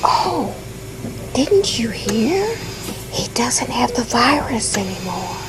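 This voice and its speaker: A woman plays a casual hospital worker in an audio drama. Her high voice moves up and down freely, in a conversational, matter-of-fact way. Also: big pitch swings, takes it slowly, low-quality recording. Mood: gossipy, sympathetic. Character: casual hospital staffer woman passing on patient news.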